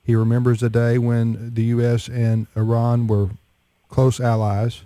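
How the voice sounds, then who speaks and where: A male radio host speaks conversationally and often restarts his phrases. His tone is dark and mellow. The studio sound is dry and close. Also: medium pitch, completely flat delivery, unhurried, dry recording. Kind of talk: radio interview.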